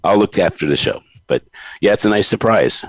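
A man hosting an interview show in a relaxed, easygoing way. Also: low voice, a little fast, no room sound, low-quality recording. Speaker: host. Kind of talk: casual interview chat.

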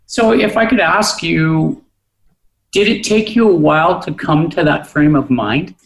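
A man's voice: fairly high pitch, measured pace, vocal fry, roomy sound, low-quality recording. A man hosting a talk show, friendly and conversational, sometimes restarting his sentences. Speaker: host. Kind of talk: casual talk show chat.

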